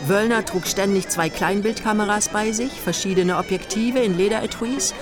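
A woman's voice: mid-range voice, moderate pace. A woman reading scripted narration as the narrator of a radio play, with music underneath.

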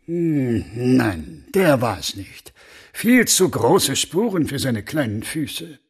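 A fretful, proud Christmas baker, as a man plays him in a storybook, his voice husky and rough. His pitch swoops up and down eagerly. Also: slow, exaggerated voice. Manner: lively, expressive.

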